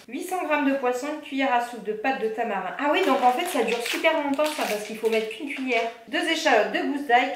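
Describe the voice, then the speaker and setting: A woman vlogger chatting casually through a food box unboxing, reading ingredient lists aloud with fillers and self-corrections. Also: on the high side. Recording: echoey room, faint background noise.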